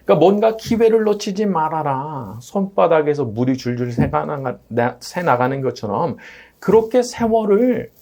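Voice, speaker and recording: A man preaching a Sunday sermon as pastor, animated, often tossing in rhetorical questions. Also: fairly high pitch, moderate pace, few pauses. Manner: animated, rises and drops sharply, asks rhetorical "어?".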